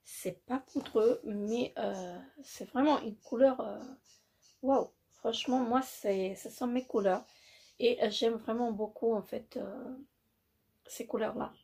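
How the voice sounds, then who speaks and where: A woman's voice: fairly high pitch, slow, vocal fry, warm tone, slightly rough. A woman vlogger presenting a makeup haul in a casual, hesitant way, full of fillers and repeated praise. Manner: hesitant, many fillers, repeats "très joli"; apologizes for her English. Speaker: beauty vlogger.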